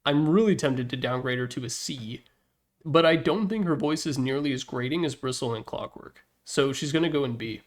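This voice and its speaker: Speaking at normal speed in a mid-range voice, a man presents a tier list slideshow. He delivers informal, opinionated rankings with mild swearing and wry asides.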